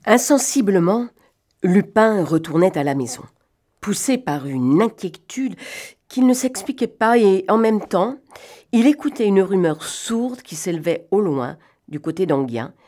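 A woman giving an expressive, suspenseful reading of a novel. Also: mid-range voice, unhurried. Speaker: reader. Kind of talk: dramatic literary reading.

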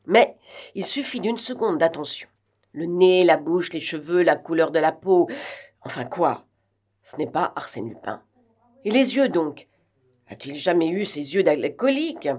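A woman's voice: fairly low pitch, animated, a little slow, a little mellow. A woman reading the lines of an uneasy, insistent older male police inspector in an audiobook.

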